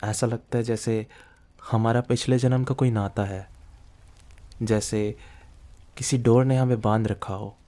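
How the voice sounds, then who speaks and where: A man's voice: medium pitch, steady tone, unhurried, pauses often, warm tone, close to an everyday voice. A man playing a possessive, menacing mafia boss lover in an intimate ASMR roleplay, speaking in a threatening, teasing way to the listener. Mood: seductive, possessive.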